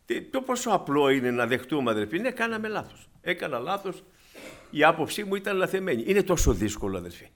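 A man preaching a sermon, swinging between loud exhortation and soft, low asides as he retells anecdotes to his congregation. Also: sing-song.

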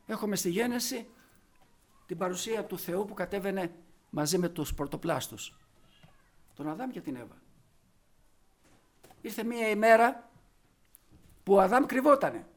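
A man preaching a sermon, fervent, rising to loud emphatic peaks. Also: sits high, animated, pauses often.

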